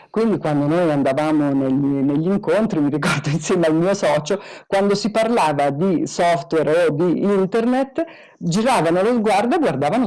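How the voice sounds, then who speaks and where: A woman with a dark, mellow tone and a fairly low pitch speaks at a moderate pace with lively intonation and very even loudness over a quiet background. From southern Italy, Cilento (Campania); southern Italy. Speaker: educator and activist; educator. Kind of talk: interview. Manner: halting, many repetitions. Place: home room. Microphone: earbuds.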